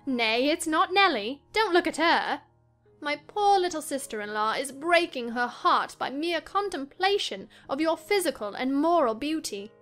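A woman playing a spirited, mocking young gentlewoman in a dramatized audiobook, teasing theatrically. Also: high-pitched, expressive, unhurried, soft background music. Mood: gleeful mockery.

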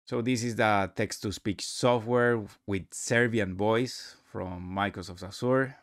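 A man presents a software walkthrough in a low, gravelly voice. His English is non-native and halting, with a casual delivery. The sound is close and dry. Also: fairly even intonation, no room sound. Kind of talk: casual screen-recorded tutorial narration.

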